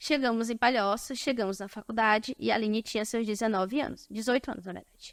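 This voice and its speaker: The speech moves at a very fast pace with hardly any pauses. The recording is very clean, with a silent background. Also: woman, fairly high pitch for a woman. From Brazil, Maranhão. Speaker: podcast guest, university student. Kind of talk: personal testimony in interview.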